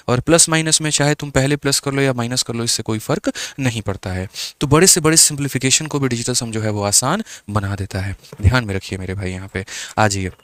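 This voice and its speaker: Man, maths teacher, brisk step-by-step explaining, smooth voice, dry sound. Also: mid-range voice, fairly bright tone, no echo. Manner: brisk explaining, keeps asking the class questions; keeps addressing the viewer as "my brother". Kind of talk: exam-prep maths lesson.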